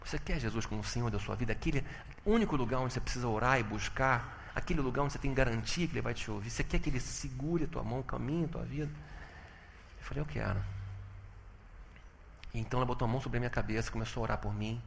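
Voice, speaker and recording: A man giving a testimony sermon, telling his story with animated swings from loud exclamations to hushed tones. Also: mid-range voice, fast talker, vocal fry, long reverb tail, a little hiss or hum.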